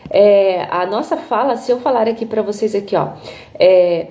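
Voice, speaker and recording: A woman's voice: mid-range voice, normal speed, mellow. A woman music therapist with a Brazilian accent, giving a live online lecture over a phone stream in an explanatory way, tagging her sentences with little checks. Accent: Brazilian Portuguese. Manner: demonstrates intonations with her voice. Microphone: phone livestream.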